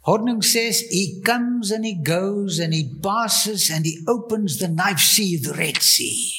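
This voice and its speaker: High bright man speaking slow, halting English. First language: not English. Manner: enthusiastic, full of wonder. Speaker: guest speaker on ancient Egypt. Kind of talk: lecture with live interpreter.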